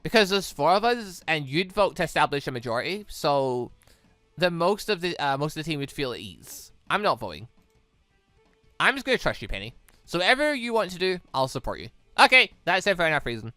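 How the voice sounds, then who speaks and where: A let's play host rambling through casual commentary and reading visual novel dialogue aloud, often repeating and rephrasing while thinking out loud. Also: medium pitch, big pitch swings, brisk, no echo. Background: game music.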